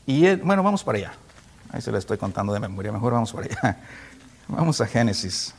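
A man's voice: lowish voice, sing-song, fast, slightly rough. A man preaching a sermon, reading scripture aloud in a raised voice and asking the congregation questions.

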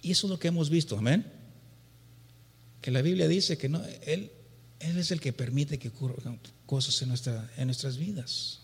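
A man's voice: fairly high pitch, normal speed, slightly rough. A man preaching a sermon and reading from the Bible, often repeating words and tagging questions to the congregation. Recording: long reverb of a large hall.

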